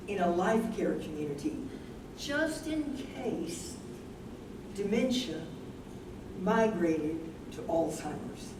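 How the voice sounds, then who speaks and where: A woman acting as an older wife with Alzheimer's, reflective and candid, speaking slowly and deliberately. It is a stage reading picked up from a distance, with clear background noise. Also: mid-range voice, natural voice. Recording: roomy, distant, noisy live stage recording.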